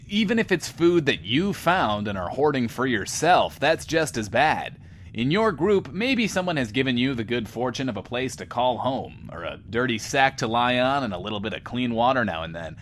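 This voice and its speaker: An actor playing a wry, showy radio advice host in a post-apocalyptic audio drama, with a mock-grand manner. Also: male voice, mid-range voice, a bit bright, a little hiss or hum, exaggerated voice. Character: sardonic male advice-show radio host in a wasteland.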